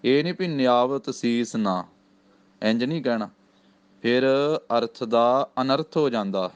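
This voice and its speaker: A man with a Punjabi accent teaching scripture recitation, chanting each phrase slowly and then explaining the pronunciation in plain speech. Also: mid-range voice, smooth. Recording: slightly dull, lo-fi recording.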